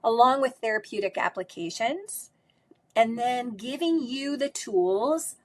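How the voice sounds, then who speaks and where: A middle-aged woman speech pathologist with a strong voice. She answers interview questions in an emphatic, conversational way and often ends her points with "right?". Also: fairly high pitch. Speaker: speech pathologist and course instructor.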